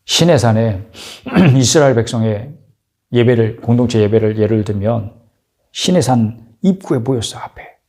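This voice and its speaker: A man's voice: medium pitch, lively intonation, normal speed, a little mellow. A man preaching a sermon as pastor, exhorting his congregation with rhetorical questions.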